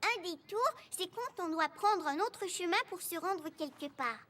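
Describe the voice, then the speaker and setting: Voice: very high-pitched, expressive, measured pace, heavy background noise. An actor voicing a curious, eager four-year-old boy in a French children's cartoon. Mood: earnest, explaining.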